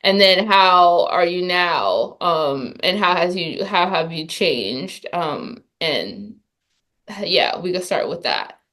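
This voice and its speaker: A woman's voice: lowish voice, animated, slow pace, sharp tone. A woman hosting a casual chat, putting questions to a guest in an informal, rambling way. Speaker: podcast host interviewing a guest.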